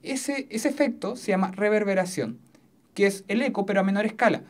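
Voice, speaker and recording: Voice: medium pitch, a little fast, a little mellow. A teacher giving a recorded physics lesson in a foam-lined studio. They explain step by step and keep checking that the students follow. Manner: explanatory, often checks understanding.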